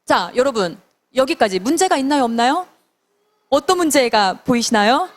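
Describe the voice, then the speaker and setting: A woman's voice: high voice, expressive, normal speed. A Sunday school teacher, a woman, telling a Bible story to children and asking them questions as she goes. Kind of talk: children's sermon.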